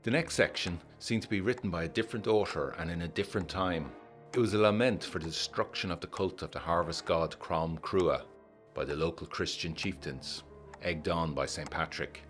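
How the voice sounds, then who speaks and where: A man narrating a letter in a measured, formal, old-fashioned manner for a gothic audio drama. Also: deep voice, a bit bright, soft background music. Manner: measured, formal period storytelling.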